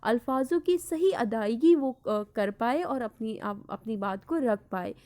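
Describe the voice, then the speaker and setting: Woman with indian urdu accent giving an online lesson, kinda high voice, says everything twice, throws in english words. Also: animated, mellow. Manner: explains slowly, repeats points, mixes English words. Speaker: teacher. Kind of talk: online lecture.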